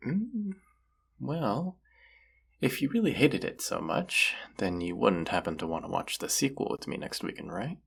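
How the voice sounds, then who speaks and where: A man's voice: lowish voice, sing-song, a little slow, gravelly, fairly bright tone, slightly rough, exaggerated voice. A man acting a young guy with a secret crush on his best friend, chatting playfully and teasingly in an intimate roleplay audio drama, sometimes hesitant. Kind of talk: intimate roleplay audio drama, casual one-sided chat.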